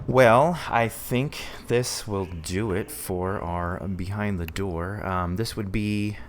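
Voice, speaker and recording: A man's voice: sits low, takes it slowly, soft background music. A man hosting a podcast in a casual, conversational interview style. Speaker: podcast host.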